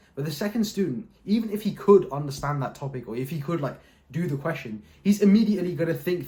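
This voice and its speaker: A man talks at a very fast pace with a dark, mellow, somewhat breathy tone and lively intonation. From India. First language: non-English (Indian language). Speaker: student study-tips YouTuber. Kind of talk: tutorial. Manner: casual, filler-heavy.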